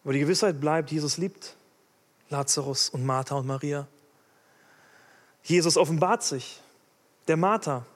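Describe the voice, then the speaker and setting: A man delivers an emphatic sermon in a fairly high voice, turning to his listeners with direct questions. His words ring out with a long reverb, as in a large hall. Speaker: preacher.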